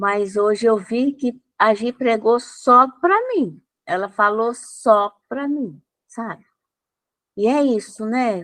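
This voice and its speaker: A woman's voice at a very slow pace, with ordinary pitch variation. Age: 60s. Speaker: participant in online prayer meeting. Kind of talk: testimony. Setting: video call.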